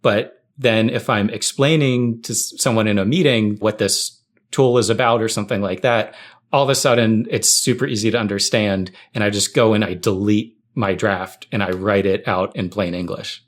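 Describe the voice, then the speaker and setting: Man, lowish pitch, casual podcast chat, conversational, anecdotal delivery. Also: fairly even intonation, moderate pace. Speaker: tech writer, podcast guest.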